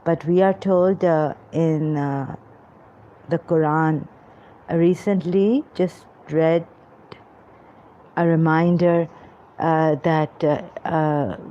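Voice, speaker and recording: Slow, low-voiced woman, halting monologue. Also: warm tone. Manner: halting, many pauses and fillers. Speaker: vlogger. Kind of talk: rambling personal monologue. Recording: dull lo-fi recording with faint noise.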